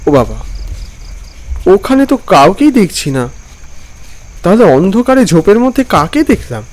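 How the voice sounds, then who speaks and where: A man playing a weary traveller who narrates his own animated ghost story expressively. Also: sits high, measured pace. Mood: uneasy. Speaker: narrator and main character. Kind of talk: dramatized first-person horror narration.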